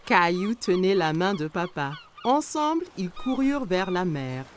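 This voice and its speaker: Animated woman narrating a children's story. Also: fairly low pitch, unhurried, a little hiss or hum. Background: background music.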